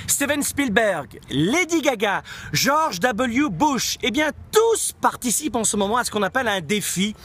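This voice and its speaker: A man's voice: sits high, a bit bright, slightly rough. A man in his forties, a coach giving an emphatic motivational talk to camera outdoors, asking rhetorical questions and repeating key phrases. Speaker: coach and company founder. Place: outdoors in a park. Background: background music.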